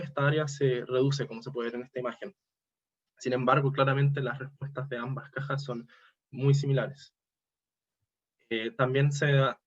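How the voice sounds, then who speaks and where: A Chilean academic with a medium-pitched voice presents technical material over slides at a conference, hesitating, halting and correcting himself. The sound is dull and lo-fi.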